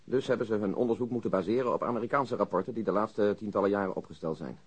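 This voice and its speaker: Methodical cop guy, radio drama, husky voice, dry n matter-of-fact like reading a report. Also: lowish voice. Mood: dry, factual. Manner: matter-of-fact, measured, reciting. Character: methodical, dry police detective with an exact memory.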